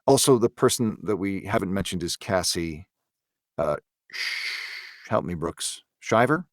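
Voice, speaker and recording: A man in a casual podcast discussion, speaking in a halting, reflective way. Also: deep voice, lively intonation, no echo, studio quality. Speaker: podcast participant, drama creator.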